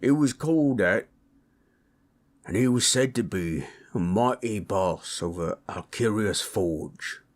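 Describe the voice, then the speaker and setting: A man voicing a gentle, comforting orc in intimate roleplay audio, telling tribal lore in husky, unhurried, rough and ungrammatical speech. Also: fairly low pitch, expressive. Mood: reflective. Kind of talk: intimate roleplay audio, slow soothing storytelling.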